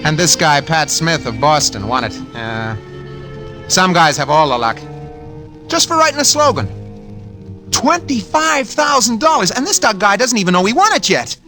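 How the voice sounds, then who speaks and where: An actor playing a scheming small-time office porter in an old radio drama, raving when drugged and sly when narrating. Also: male voice, high voice, very animated, moderate pace, pushed and bright, faint music behind, heavily acted. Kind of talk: 1940s radio acting.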